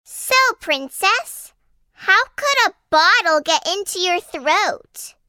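Little seahorse, small and earnest, squeaky and lively in pitch, voiced by a woman in a dry close read. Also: no room sound, exaggerated voice. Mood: curious. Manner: slow, wondering, scolds when upset. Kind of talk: children's audio story.

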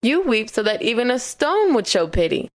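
A woman's voice: fairly high pitch, sing-song, moderate pace. A woman doing a coaxing little frog. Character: pleading small male frog, persistent.

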